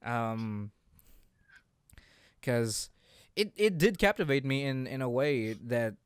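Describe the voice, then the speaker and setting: A man's voice: mid-range voice, lively intonation, slow, clean tone, dry recording. A man in his twenties co-hosting a casual unscripted chat, rambling and often repeating his words. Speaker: podcast co-host.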